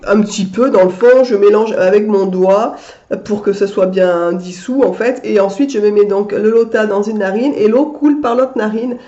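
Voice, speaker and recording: A woman's voice: medium pitch, warm tone. Stuffy-nosed woman chatting in an echoey room. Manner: chatty, many fillers and restarts. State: stuffy nose from a cold. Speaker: vlogger. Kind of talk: casual chat to camera. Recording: echoey room, dull lo-fi sound.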